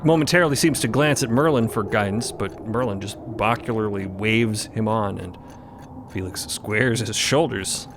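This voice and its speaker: A man's voice: fairly low pitch, moderate pace, background noise. A man reading scripted dramatic narration as the narrator of a fiction podcast. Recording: clear music bed behind.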